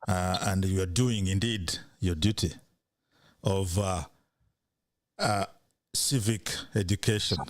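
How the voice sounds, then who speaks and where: A man's voice: low voice, takes it slowly, pauses often. A man speaking formally and hesitantly as a guest panelist joining over a video call. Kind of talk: panel discussion.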